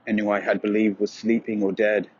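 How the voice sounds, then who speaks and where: A man giving a solemn, brooding, measured dramatic narration of dark poetic prose with a husky voice. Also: fairly low pitch, flat delivery, highs cut off. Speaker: voice-over narrator.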